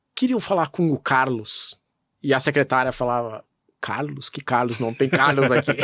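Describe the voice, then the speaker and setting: Speaking at a moderate pace with a southern Brazilian accent, a man at medium pitch keeps his intonation fairly even in a dry, close sound with no echo. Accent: gaúcho. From Brazil, São Paulo. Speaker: marketing professor and speaker. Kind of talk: interview.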